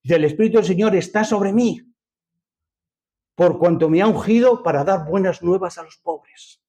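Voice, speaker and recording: A man with a Spanish accent preaches to a congregation, reading scripture and explaining it. His voice sits high and warm, and he moves at a moderate pace. He is emphatic, leaning often on rhetorical questions and repetition.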